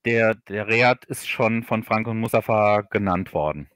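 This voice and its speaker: A man in an unscripted interview, speaking haltingly and often repeating words as he looks for phrasing. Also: lowish voice, a bit bright, no echo, studio quality. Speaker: author being interviewed on a livestream.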